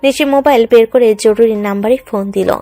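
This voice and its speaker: A woman's voice: fairly high pitch, a little fast, mellow, dry recording. A woman reading dramatic scripted narration for a love story. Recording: music under the voice.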